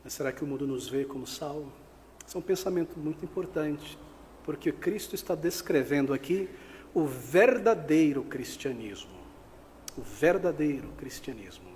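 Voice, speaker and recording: A man's voice: on the high side, expressive, moderate pace, a little hiss or hum. Brazilian man preaching in a reverberant hall. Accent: Brazilian Portuguese. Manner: emphatic preaching, rising to loud outbursts then dropping to quiet appeals. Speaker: pastor. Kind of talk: sermon.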